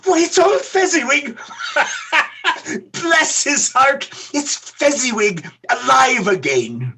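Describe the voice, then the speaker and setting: Woman doing old man in a radio play, husky n wistful, slow, really dramatic ups and downs. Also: sits high, very animated, sharp tone, a little hiss or hum, exaggerated voice. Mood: delighted, excited. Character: old man Scrooge, moved and wistful over his past.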